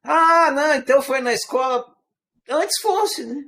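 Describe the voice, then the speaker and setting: Here a male teacher speaks a little slowly, his fairly high voice edged with vocal fry and his Brazilian accent mixing Minas Gerais and rural caipira. In this informal spoken lecture he keeps asking the audience questions, his pitch and loudness varying widely as he argues his points.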